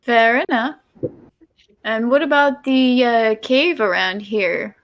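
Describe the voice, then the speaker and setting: A woman's voice: on the high side, slow, low-quality recording. A woman playing a tabletop role-playing game, speaking casually in character as she asks questions.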